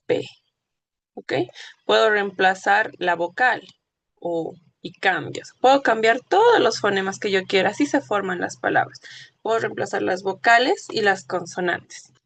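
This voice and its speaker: A woman's voice: mid-range voice, creaky, fairly bright tone, no echo. A woman teacher giving a classroom lecture, explaining patiently and checking often that her students follow. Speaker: language teacher.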